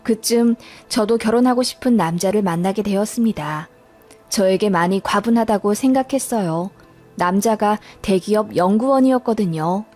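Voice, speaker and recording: A woman's voice: mid-range voice, normal speed, darkish tone, soft background music. A woman narrator reading a scripted first-person life story. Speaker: narrator of listener life stories.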